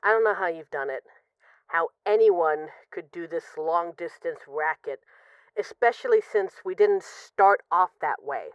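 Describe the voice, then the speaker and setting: A woman playing an apologetic, lovesick mafia boss who is guarded but vulnerable, speaking haltingly and confessionally in an intimate audio roleplay phone call. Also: fairly low pitch, smooth, no echo, natural voice. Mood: remorseful, pained. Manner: halting, confessional, with pauses and sighs.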